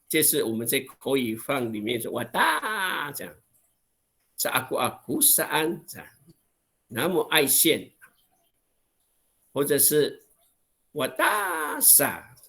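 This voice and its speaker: This male online language tutor has a Taiwanese Mandarin accent and a medium-pitched voice. Teaching by video call, he stretches out exclamations and performs them expressively.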